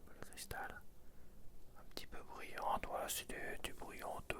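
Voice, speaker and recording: A man whispering an ASMR video, thinking aloud casually in short, hesitant phrases. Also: moderate pace. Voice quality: whispered, unvoiced. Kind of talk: ASMR, casual chat while sorting sticker packets.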